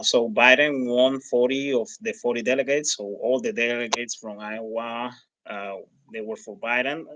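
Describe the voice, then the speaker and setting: A man with a Hispanic accent, a native Spanish speaker, giving live election results commentary as a livestream host, often halting and searching for words. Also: fairly low pitch, a bit bright, dry recording.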